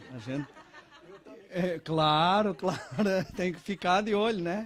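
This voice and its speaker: The speech moves at a fairly slow pace with lively intonation. It carries a Lisbon accent. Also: man. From Portugal, Lisbon. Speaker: pastor. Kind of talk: sermon introduction.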